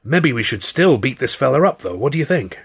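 A man voicing a hulking, slow-witted gangland thug in an audiobook, ponderous and politely threatening. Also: mid-range voice, very animated, husky, voice pushed up, exaggerated voice. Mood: perplexed, slow. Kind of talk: audiobook character dialogue.

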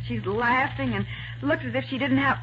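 An actress with an American accent playing a sharp, determined young woman detective's assistant in a 1940s radio drama. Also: high voice, normal speed, lightly acted. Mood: pitying. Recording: noisy muffled 1940s radio recording.

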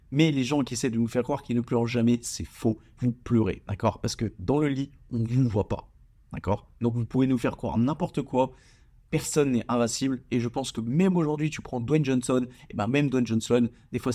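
A man's voice: medium pitch, darkish tone. Young man, solo podcast host; casual slangy delivery, frequent stumbles and repeated words.

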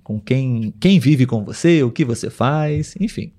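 A man hosting a live podcast, talking patiently and clearly with listeners over a video call. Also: medium pitch, animated, dark tone. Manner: patient, clear, slowed for learners. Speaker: podcast host.

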